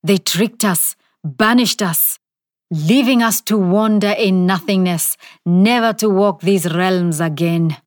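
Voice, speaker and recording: A woman voicing an ancient, nameless male spirit, slow and menacing, in an audio story. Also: mid-range voice, no echo, clean studio sound, close to an everyday voice. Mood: raging. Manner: whispering, roaring, menacing.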